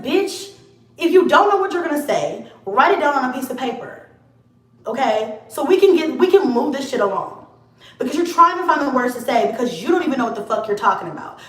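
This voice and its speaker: A young woman with a high voice delivers a blunt, profane vlog rant aimed straight at a rival. She sits some way back from the mic, so the room rings around her words. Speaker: YouTuber. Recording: echoey room, mic at a distance.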